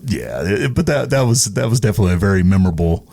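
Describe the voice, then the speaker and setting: A man's voice: fairly low pitch, big pitch swings, fast, creaky, warm tone. A middle-aged man from East Texas chatting casually as a guest, telling anecdotes in a good-humoured way. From East Texas, United States. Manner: good-humoured, chuckles through his stories. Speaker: guest, veteran radio personality.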